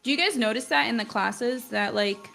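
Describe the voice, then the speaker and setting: A young woman with a fairly high, gravelly voice full of fry talks through a live drawing stream. English is not her first language, and she rambles in a loose, chatty way, filling her sentences with "like.". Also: moderate pace, pushed and bright, faint music behind. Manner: chatty, rambling, heavy use of "like". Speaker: art teacher streaming live. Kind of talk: casual livestream chat while drawing.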